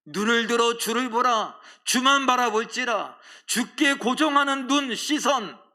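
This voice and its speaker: A man's voice: very high-pitched, measured pace, bright, forceful tone, pitched above the performer's own voice, exaggerated voice. A male pastor voicing God as a solemn, commanding male figure who declaims his promises. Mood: exalted.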